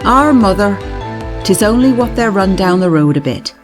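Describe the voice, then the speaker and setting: A woman's voice: mid-range voice, animated, normal speed, music in the background, pitched above the performer's own voice, close to an everyday voice. Woman playing an anxious young girl, urgent and coaxing. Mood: reassuring.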